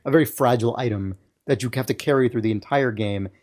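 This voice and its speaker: A man hosting a casual podcast chat, relaxed, explaining things and making announcements to listeners. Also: medium pitch, quick pace. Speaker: podcast host.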